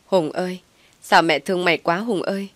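A woman playing a dramatic old mother-in-law, loud wailing lament, scolding, lowish voice, dry sound. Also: steady tone, fairly quick, no room sound, natural voice. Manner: wailing, theatrical complaining.

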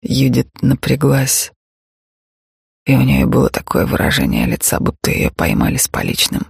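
A man narrating a first-person novel in a measured, calm storytelling manner. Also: mid-range voice, gravelly, slightly rough, no echo, studio quality. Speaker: audiobook narrator.

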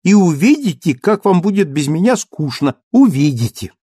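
A man's voice: high voice, normal speed, husky, no room sound, clean studio sound, pitched above the performer's own voice, full character voice. A man voicing a playful, petulant young wife who coaxes and pouts. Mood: pouting, coaxing. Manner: coaxing, pouting, lively.

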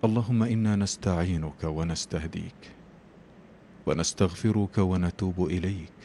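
Deep low guy hosting a prayer broadcast, dark mellow tone, solemn rhythmic supplication. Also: slight background noise. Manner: measured, rhythmic prayer cadence. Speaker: broadcast presenter.

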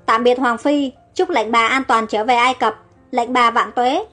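Loyal male soldiers, rallying; a woman reads them in a high voice. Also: fairly even intonation, measured pace, a bit bright, soft background music. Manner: rallying cries. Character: brave loyal Egyptian foot soldiers, male.

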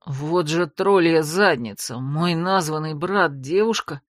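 A woman voicing a flustered, bewildered younger brother in a storybook reading, lowering her voice for him. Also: takes it slowly, dry recording, studio quality. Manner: defensive, bewildered.

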